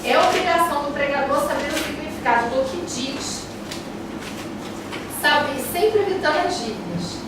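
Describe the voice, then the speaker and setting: A Brazilian woman lectures a class in a high voice. She is didactic and repeats key phrases to drive them home. The recording is very echoey and noisy, picked up from a distance. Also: expressive, a little slow. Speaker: teacher of a preaching class.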